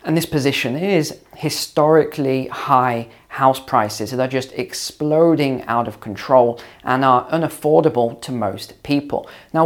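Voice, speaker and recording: A man hosting his own finance channel, slightly hoarse after long calls, explaining to camera in a conversational way with ums and repeats. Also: medium pitch. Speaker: finance video host and mentor.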